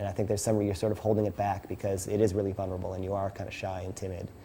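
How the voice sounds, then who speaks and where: This man is soft-spoken and somewhat breathy, with a fairly low, dark and mellow voice. He talks very fast in a flat monotone. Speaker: dating coach. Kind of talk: workshop instruction.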